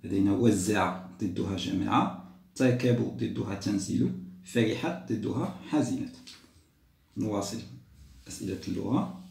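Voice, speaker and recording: A man, teaching a grammar lesson to young children patiently, repeating and drawing out words slowly. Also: lowish voice, gravelly, darkish tone. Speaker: primary school teacher. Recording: roomy echo.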